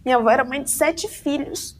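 A young woman from tells a personal story in an interview, animated and acting out the voices she quotes. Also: fairly quick. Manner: animated, acts out quoted voices with big pitch jumps. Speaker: interview guest.

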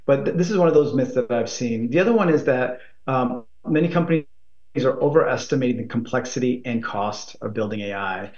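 A man being interviewed as a tech executive, speaking in halting phrases with many repeats and fillers. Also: medium pitch, expressive, darkish tone. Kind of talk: interview answers. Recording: roomy, dull remote line.

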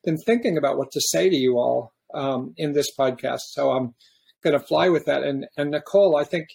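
A man hosting a podcast in a casual, reflective way, often halting and restarting his sentences. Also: on the high side, gravelly, a little mellow, slightly rough. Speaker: podcast host.

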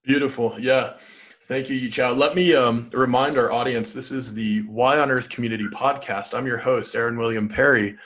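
A man's voice: mid-range voice, fairly even intonation, moderate pace, a bit bright. A man hosting a podcast, asking long, rambling questions with enthusiasm. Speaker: podcast host. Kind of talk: interview hosting.

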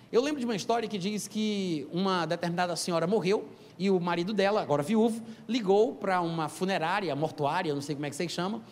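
Man, pastor, animated emphatic sermon, high voice, long hall reverb. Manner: animated, emphatic preaching with calls to the congregation.

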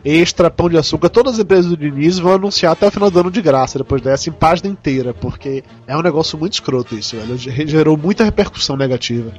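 High-pitched Brazilian man hosting a podcast. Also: animated, quick pace, hardly any pauses, slightly rough, highs cut off, faint music behind. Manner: informal, joking, swears freely. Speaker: podcast host. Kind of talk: casual podcast chat.

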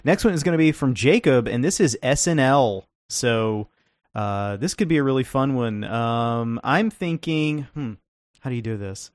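A man with a mid-range voice hosts a relaxed chat, upbeat and quick to laugh as he reacts to ideas. The recording is close and dry. He moves the talk along from one suggestion to the next. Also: medium pitch, no room sound. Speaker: podcast host. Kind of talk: casual chat reading listener ideas.

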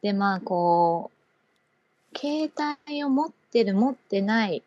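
A woman's voice: medium pitch, expressive, slow, darkish tone, no echo, dull audio. A woman co-hosting a casual chat, telling a story in an easygoing way and laughing often. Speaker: podcast co-host.

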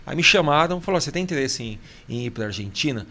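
A man's voice: medium pitch, animated, fast, gravelly, bright, forceful tone, slight background noise. A man with a Brazilian Portuguese accent, a podcast host telling anecdotes in slangy casual chat.

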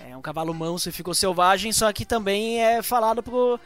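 High-voiced gaúcho man, animated explainer. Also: brisk, soft background music. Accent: Rio Grande do Sul (Serra Gaúcha). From Serra Gaúcha, southern Brazil. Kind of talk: casual chat about regional slang.

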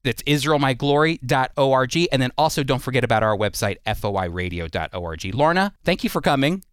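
Smooth-voiced man hosting Christian radio. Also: medium pitch, lively intonation, fast, no echo, studio quality. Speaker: radio host. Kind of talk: conversational Christian radio interview.

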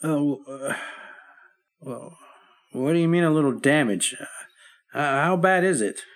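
A man's voice: on the high side, lightly acted. Male actor as an anxious middle-aged man with heart trouble, hesitant, resisting the doctor. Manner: anxious, halting, stubborn. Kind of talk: 1950s radio drama acting.

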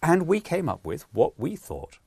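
A man who was born in Peru and lives in England, a politician with British English speech, guests on a podcast and narrates animatedly, dramatizing quotes amid many restarts. His fairly high voice carries vocal fry and slight roughness at a moderate pace, in a dry recording.

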